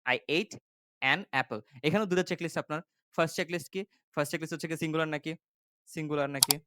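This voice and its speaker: A man's voice: fairly high pitch, rapid-fire, bright, forceful tone, smooth, no room sound, studio quality. A man tutoring English grammar step by step, often checking that listeners follow. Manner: explains step by step, often asking "ঠিক আছে?" to check understanding. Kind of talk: classroom-style grammar lesson.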